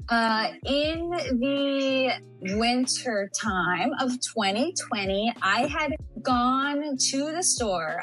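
A woman's voice: a little high, fairly bright tone, low-quality recording. Giggly chatty woman from Texas. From San Antonio, Texas. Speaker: interview guest. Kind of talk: casual chat. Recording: faint background music track.

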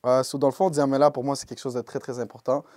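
A young man with a Québécois French accent, a rapper answering interview questions in a relaxed way and dropping English slang. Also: medium pitch, fast talker, dry recording, clean studio sound. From Quebec, Canada. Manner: laid-back, peppered with English slang like "yo" and "bro". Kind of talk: casual interview talk.

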